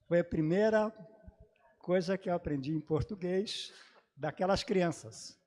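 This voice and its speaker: A man from southern Brazil who grew up in Santa Catarina speaking a German dialect recounts his life story during a theology panel. His voice sits high and is a little mellow, and he speaks haltingly, full of hesitations and restarts.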